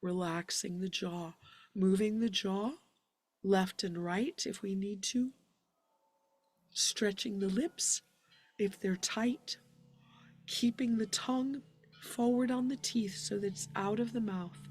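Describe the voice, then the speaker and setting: A woman teaching singing in a live online lesson, guiding breathing and relaxation in a gentle, encouraging way. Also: mid-range voice, steady tone, slow pace, pauses often, husky.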